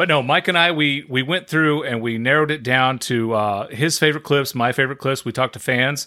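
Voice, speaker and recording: Speaking at a fairly quick pace with hardly any pauses, a man with an unremarkable speaking voice uses a fairly high pitch and ordinary pitch variation. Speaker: podcast co-host. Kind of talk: casual chat.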